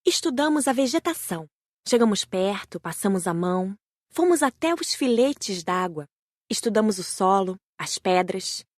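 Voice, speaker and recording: A woman's voice: medium pitch, sing-song, normal speed, dry recording, studio quality. A woman with a Brazilian accent reading a scripted first-person audiobook narration.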